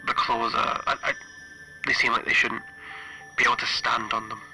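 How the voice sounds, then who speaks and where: A man's voice: medium pitch, completely flat delivery, sharp tone, soft background music, rough recording. Man acting a stammering, frightened spaceship engineer over radio. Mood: uneasy musing. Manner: halting, stammering, anxious repetitions. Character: frightened, stranded male spaceship flight engineer recording a log. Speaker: solo tabletop roleplayer. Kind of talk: in-character audio log, improvised horror roleplay.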